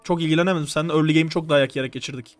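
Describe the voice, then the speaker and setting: A young man streaming live, coaching players through a strategy game with urgent, animated instructions. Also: a little high, rapid-fire.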